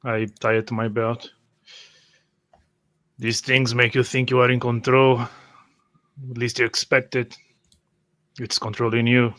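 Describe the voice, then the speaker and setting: A man's voice: medium pitch, level tone, slow, pauses often, a bit bright, no echo, studio quality. Man playing a wary, cryptic bearded adventurer. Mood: warning. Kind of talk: in-character tabletop roleplay.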